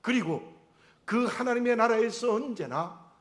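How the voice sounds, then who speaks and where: A middle-aged male pastor with a regional Korean dialect intonation, preaching a sermon in an earnest, measured way and asking rhetorical questions. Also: very high voice, lively intonation.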